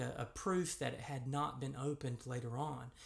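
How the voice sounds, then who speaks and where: Speech comes at a fairly slow pace. There is a somewhat breathy quality to it. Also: man. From United States. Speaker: preacher. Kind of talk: sermon.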